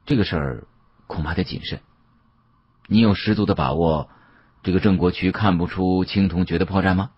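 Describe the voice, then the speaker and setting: A man's voice: sits low, moderate pace, long pauses, slightly rough. A man voicing a principled, cautious young male antiques expert in an audiobook, speaking earnestly and admonishingly. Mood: wary. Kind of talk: audiobook character dialogue. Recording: muffled, dull lo-fi audio.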